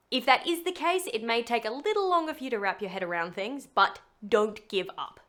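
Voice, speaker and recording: A woman with a mid-pitched voice presents a scripted tutorial as a voiceover actor. She talks straight to the listener in a chatty, playful way, putting clear emphasis on her points. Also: fairly bright tone. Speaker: voiceover actor and video host.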